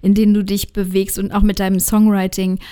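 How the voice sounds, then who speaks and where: A woman's voice: mid-range voice, flat delivery, brisk, warm tone, clean tone. A woman hosting a radio interview, chatty, with frequent fillers as she talks. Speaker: radio host.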